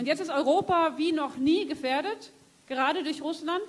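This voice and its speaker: A woman's moderately paced speech shows ordinary pitch variation. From Hesse, Marburg. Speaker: state politician. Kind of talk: panel debate. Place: hall.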